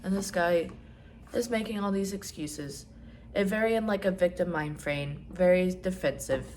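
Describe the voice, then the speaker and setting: A young trans man chatting casually in a vlog, rambling with lots of fillers and some swearing, his voice rising when he gets excited. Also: moderate pace, slight background noise. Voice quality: voice still fairly high, rising when excited. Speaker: vlogger.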